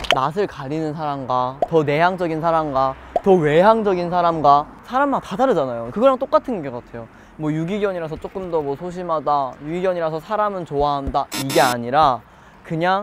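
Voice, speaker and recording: The voice moves at a moderate pace with lively intonation. There is light background noise, and the sound is dry with no echo. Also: man. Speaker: show host. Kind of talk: casual variety show wrap-up to camera. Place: open country. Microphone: lapel.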